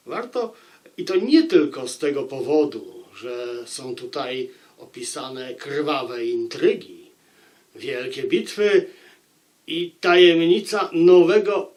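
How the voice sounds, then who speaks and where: A man giving a book review to viewers, phrasing deliberately like a storyteller, with pauses. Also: fairly high pitch. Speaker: book reviewer and audiobook narrator.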